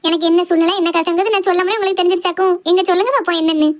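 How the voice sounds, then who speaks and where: A woman's voice: extremely high pitch, steady tone, racing. A woman playing a sweet, easily wounded young girl in love in a cartoon drama, with a southern Tamil Nadu accent. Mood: puzzled, pleading.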